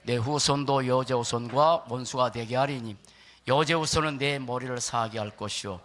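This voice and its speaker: A man preaching to a congregation as a pastor, stressing key words in deliberate phrases and putting questions to his listeners. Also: mid-range voice, a bit bright. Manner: puts rhetorical questions to listeners. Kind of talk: church sermon to a congregation.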